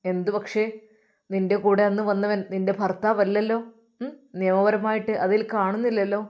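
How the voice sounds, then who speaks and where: A woman voicing a pushy middle-aged Arab employer man, smooth and insistent in a told story. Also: mid-range voice, level tone, moderate pace, darkish tone, lightly acted. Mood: coaxing. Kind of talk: storytelling voice acting.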